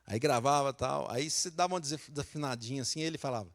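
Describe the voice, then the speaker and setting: A man's voice: medium pitch, fast. A Brazilian man from Minas Gerais preaching a sermon as pastor, talking conversationally, asking the congregation questions and acting out quotes. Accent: Brazilian Portuguese, Minas Gerais.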